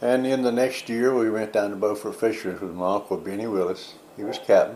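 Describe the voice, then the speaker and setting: A man talks at a fairly quick pace in an ordinary speaking voice, with an American accent and fairly even intonation. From North Carolina coast. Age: 60s. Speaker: retired fishing boat captain. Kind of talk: oral history interview. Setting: at his home.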